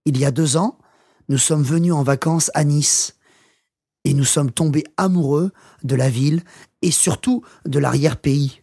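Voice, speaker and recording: An actor playing a retired English teacher in his sixties, reading a scripted journal in measured, simple learner's French. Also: fairly high pitch, gravelly, darkish tone, slightly rough, dry recording, clean studio sound, heavily acted. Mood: content, reflective. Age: 60s. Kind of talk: scripted first-person journal read aloud for language learners.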